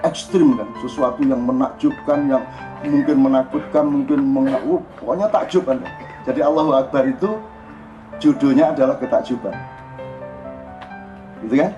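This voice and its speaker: An older man with a Javanese accent giving an informal religious talk, jokey and animated. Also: medium pitch, normal speed, pauses often. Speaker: religious speaker. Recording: dull lo-fi recording with faint music.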